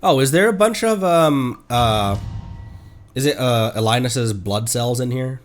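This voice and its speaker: A man chatting casually on a live game stream, playful and quick to react excitedly. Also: medium pitch. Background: video game music.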